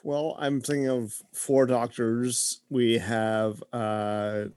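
A man's voice: mid-range voice, little pitch movement, slow pace, darkish tone, clean tone, no echo. A man in casual chat with a co-host, talking hesitantly with many "like"s and "you know"s.

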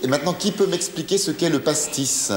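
A woman's voice: sits low, brisk. A woman interviewing children with simple questions, recorded on location in a roomy, noisy space.

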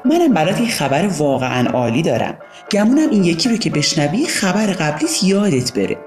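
A woman voicing an excited young schoolboy in an audio storybook, eager in manner. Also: lowish voice, music in the background.

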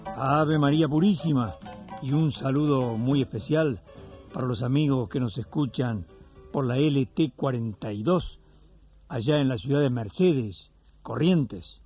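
A man's voice: mid-range voice, measured pace, warm tone, soft background music. An Argentine man hosting a religious radio program and telling stories in a colloquial, folksy way. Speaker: radio host and storyteller. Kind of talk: warm religious radio address and storytelling.

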